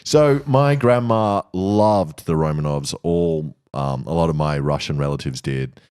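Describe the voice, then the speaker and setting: A man's voice: extremely low pitch, a little slow, a little mellow, clean tone, no echo. A male streamer co-host in casual chat, offhand and a bit mumbly, with dry jokes.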